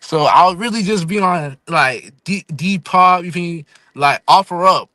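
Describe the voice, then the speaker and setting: A man's voice: high-pitched, moderate pace, sharp tone, no echo. A young man of eighteen, talking loosely as a podcast guest and saying "you feel me" again and again. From Fresno, California and Houston. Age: young adult. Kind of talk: casual podcast chat.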